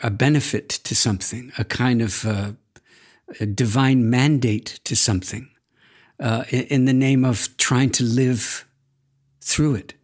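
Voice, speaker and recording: On a very clean recording with a silent background, a man at medium pitch talks at a fairly slow pace with fairly even intonation. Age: 60s. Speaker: author and speaker. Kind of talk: interview conversation, reflective. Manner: formal, deliberate, abstract.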